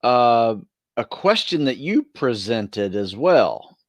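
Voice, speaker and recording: An easygoing man with a mid-pitched voice in casual podcast conversation. He speaks haltingly as a co-host, and the sound is close and dry. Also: big pitch swings, no echo. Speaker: podcast co-host and fitness group trainer. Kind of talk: casual chat.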